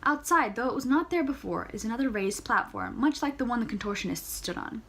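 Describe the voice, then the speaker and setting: A woman's voice: fairly high pitch, big pitch swings, brisk, a bit bright. A woman reading a novel aloud casually, often correcting her slips and adding playful comments of her own. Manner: reads with fillers, self-corrections and playful side comments. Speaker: audiobook reader.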